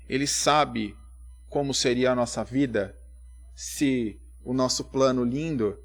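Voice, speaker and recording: A man, giving a conversational church sermon full of rhetorical questions, rising to loud emphatic peaks and dropping to quiet asides. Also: medium pitch. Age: 30s. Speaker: preacher.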